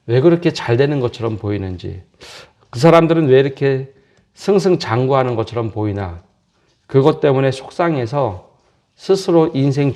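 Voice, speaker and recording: A man preaching as a pastor at an early morning prayer service, calm and earnest, often asking his listeners questions. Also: medium pitch.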